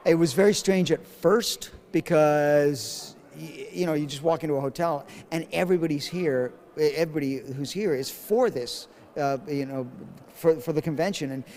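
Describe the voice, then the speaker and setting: A man being interviewed as an actor guest, chatting casually with a rambling, halting and joking manner. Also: fairly high pitch, a little mellow, in a large hall.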